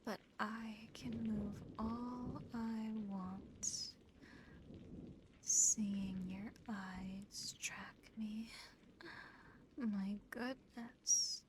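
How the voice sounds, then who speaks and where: A woman voicing a teasing, condescending, darkly affectionate female demon in a breathy, close-miked ASMR whisper. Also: medium pitch, fairly even intonation. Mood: menacing teasing. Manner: slow, taunting, lingering over words. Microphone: close ASMR microphone. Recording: faint background noise and ambience.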